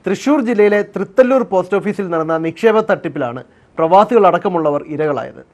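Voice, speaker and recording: A man's voice: sits high, expressive, fairly quick, faint music behind. A man reading a scripted investigative news narration as the programme's presenter.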